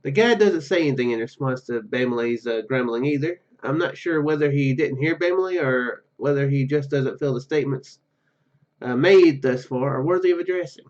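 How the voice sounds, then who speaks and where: A man's voice: mid-range voice, normal speed, darkish tone, muffled recording. A man hosting a gaming video, reading game narration aloud with casual commentary and stumbling over words as he goes. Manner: stumbles and self-corrects while reading.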